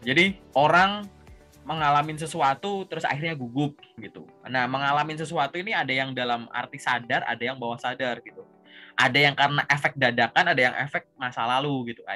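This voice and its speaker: A man's voice: medium pitch, sharp tone. A young man from Java coaching a job seeker over a video call in casual, conversational talk, often ending points with a tag word and asking if the listener follows. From Java, Indonesia. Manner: conversational, repeats "gitu" and checks understanding with questions. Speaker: career coach.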